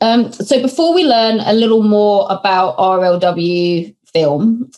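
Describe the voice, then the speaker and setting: A woman speaks with an English accent. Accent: English, mistaken for Australian by Americans. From UK. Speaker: podcast host. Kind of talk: casual interview chat.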